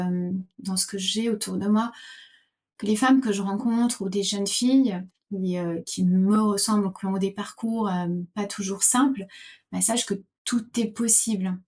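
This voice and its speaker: A woman's voice: mid-range voice, fairly even intonation, a little slow, darkish tone. A middle-aged woman from Portugal answering interview questions thoughtfully, with many fillers and restarts. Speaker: podcast guest.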